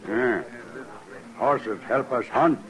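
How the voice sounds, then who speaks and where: An actor playing a stoic, dignified tribal chief in a 1950s radio western, speaking terse, halting broken English. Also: male voice, medium pitch, a bit bright, low-quality recording. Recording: vintage 1950s radio recording.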